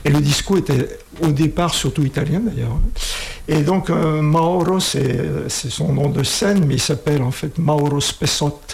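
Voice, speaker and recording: A man's voice: a little high, vocal fry, a little mellow. A man hosting a casual interview with students, asking friendly questions and often hesitating and restarting his sentences. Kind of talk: casual radio-style interview.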